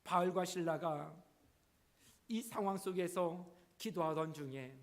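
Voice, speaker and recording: A middle-aged male pastor preaching a sermon earnestly, asking rhetorical questions and rising in emphasis. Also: high voice.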